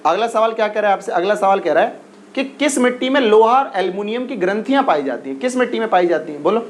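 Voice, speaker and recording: A male teacher giving an exam-prep lesson, repeating himself and coaxing his students to answer quickly. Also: high-pitched, lively intonation, a little hiss or hum. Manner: repetitive, coaxing, drills questions and urges quick answers.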